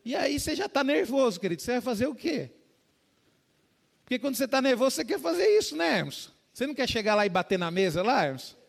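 A man's voice: very high voice, big pitch swings, fast, vocal fry. A man preaching a conversational sermon as a pastor, often addressing the congregation as "dear ones". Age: adult with a young child.

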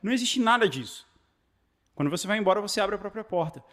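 A man from Brazil with a Brazilian Portuguese accent, telling stories in casual chat, animated and full of restarts. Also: high voice, quick pace. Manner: animated storyteller, many restarts and fillers.

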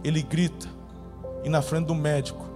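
A male pastor preaching a sermon, telling a testimony dramatically, his voice swinging between loud bursts and hushed moments. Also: fairly high pitch, little pitch movement, normal speed. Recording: reverberant hall with faint music.

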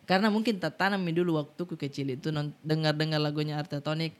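A man from Makassar with a Makassar accent, co-hosting a casual chat and telling animated stories with frequent laughter. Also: a little high, quick pace. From Makassar, Indonesia. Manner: laughs often, animated storytelling. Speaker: podcast co-host.

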